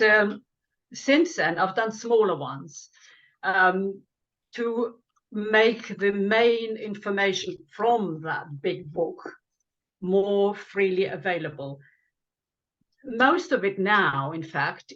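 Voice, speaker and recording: An older woman who grew up in Lithuania explains her work in an earnest, conversational way, with a dry aside now and then. Her voice sits at a middle pitch. The recording sounds dull and lo-fi, like call audio. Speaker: author and guest.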